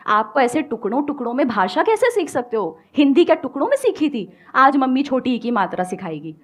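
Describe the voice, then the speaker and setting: Brief: confident Indian-accented woman, slightly high voice, emphatic motivational talk to an audience. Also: sing-song, fairly quick. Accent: Indian English. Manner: emphatic, mixing Hindi and English. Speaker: guest speaker.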